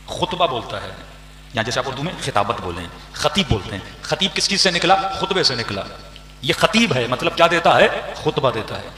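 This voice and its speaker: A man's voice: on the high side, bright, forceful tone, slight background noise. A man giving a religious sermon to a seated gathering, firing rhetorical questions at the audience and building to emphatic points. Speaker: cleric giving a majlis address. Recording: echoey hall with long reverb.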